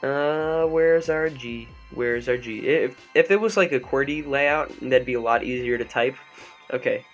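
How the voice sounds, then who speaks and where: A young man talks over his gameplay into a desk mic, rambling and joking with plenty of ums along the way. His voice sits at an ordinary middle pitch. Soft background music plays quietly underneath. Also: unhurried. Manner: chatty and jokey, lots of ums. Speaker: let's play host. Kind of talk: gameplay commentary. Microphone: desk microphone. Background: faint background music.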